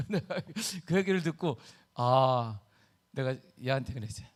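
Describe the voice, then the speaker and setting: A middle-aged man preaching a sermon as pastor, telling a story with sudden swings between loud bursts and hushed asides. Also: medium pitch, lively intonation, measured pace.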